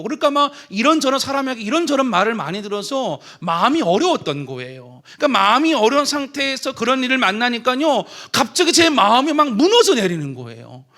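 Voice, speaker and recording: A man in his thirties, a pastor, preaching a sermon and telling a personal story in an animated way. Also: very high voice. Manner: animated storyteller, acts out his own prayers and quotes.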